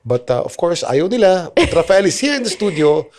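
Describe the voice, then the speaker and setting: A man's voice: high-pitched, a little hiss or hum. A man in his late fifties with a Filipino accent, hosting a casual podcast interview and prompting his guest. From Philippines. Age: 50s. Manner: fast, lively, friendly prompting with lots of mm-hmms. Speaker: podcast host.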